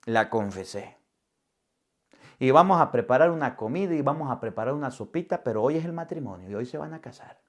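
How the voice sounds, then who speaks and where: A man's voice: medium pitch, lively intonation, fairly quick. A middle-aged male priest giving a sermon, telling a personal story and acting out the dialogue vividly. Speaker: Catholic priest.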